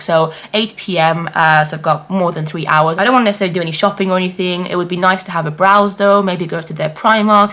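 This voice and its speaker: A woman's voice: lowish voice, fairly bright tone. A woman chatting casually to her viewers as a travel vlogger, in an informal, rambling way. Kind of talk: casual vlog chat to camera.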